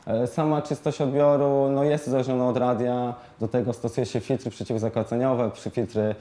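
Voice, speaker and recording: Mellow-voiced young man explaining, haltingly. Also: mid-range voice, level tone. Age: 20s. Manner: halting, hesitant delivery with frequent fillers and repeated words. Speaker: CB radio shop expert. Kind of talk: explanatory product tutorial, unscripted. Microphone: lapel mic.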